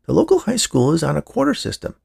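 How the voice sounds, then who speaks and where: A man's voice: fairly high pitch, wildly swooping pitch, fast, creaky, a little mellow, slightly rough, voice pushed up, exaggerated voice. A man voicing an eager, earnest adolescent boy in an audiobook, with a pleading manner. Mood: eager, persuasive. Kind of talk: audiobook character dialogue.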